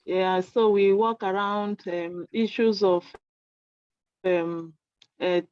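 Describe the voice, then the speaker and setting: A woman from Nigeria gives an earnest, measured introduction on a video call, with an occasional hesitation. The sound is dry and lo-fi with no room echo. Her voice is mid-pitched. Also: steady tone, clear, resonant tone. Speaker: lecturer and NGO director. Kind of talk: formal self-introduction on a call.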